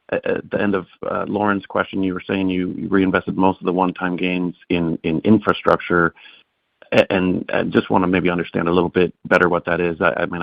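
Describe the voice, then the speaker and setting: A man's voice: deep voice, gravelly, no room sound. A man asking questions as a financial analyst on an earnings call. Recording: dull, dry phone line.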